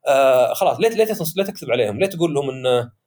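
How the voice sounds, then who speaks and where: Animated fast-talking man. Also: medium pitch. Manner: animated, acts out quoted voices. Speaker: podcast host. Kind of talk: casual podcast discussion.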